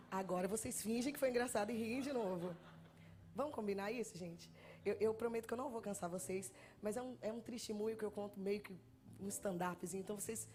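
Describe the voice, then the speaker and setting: Bahian woman guest preacher, 30s, warm dark tone, chatty and self-deprecating, faint music under. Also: medium pitch. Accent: Bahian Portuguese. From Bahia, Brazil. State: nervous, trembling. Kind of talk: sermon with joking testimony. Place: church sanctuary. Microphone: handheld mic.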